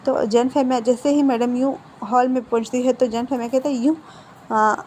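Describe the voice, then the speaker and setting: A woman's voice: fairly high pitch, fairly even intonation, a little fast, dark tone, slight background noise. A woman narrating a fan story in a casual, conversational way, often correcting herself as she goes.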